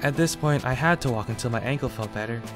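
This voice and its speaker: Music runs in the background. A man with a medium pitch speaks at a very fast pace. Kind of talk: personal story narration. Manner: monotone.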